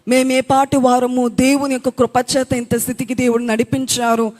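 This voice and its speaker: A woman's voice: high voice, little pitch movement, moderate pace, a little mellow. A woman earnestly telling her testimony at a church youth event. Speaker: speaker giving testimony. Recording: long hall reverb.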